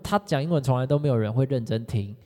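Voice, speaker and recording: A podcast co-host, telling stories in an animated, excitable way. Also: mid-range voice, quick pace. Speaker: podcast co-host, former education sales consultant. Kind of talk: casual storytelling chat. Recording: long hall reverb.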